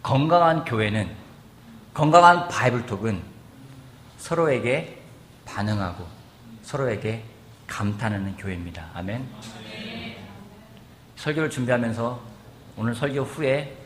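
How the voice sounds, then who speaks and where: Animated preacher with a bright, echoing voice. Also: male voice, mid-range voice, a little slow, long pauses, a little hiss or hum. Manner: lively, asks the congregation questions and acts out quotes. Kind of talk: sermon. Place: church sanctuary. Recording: echoey church hall with faint ambience.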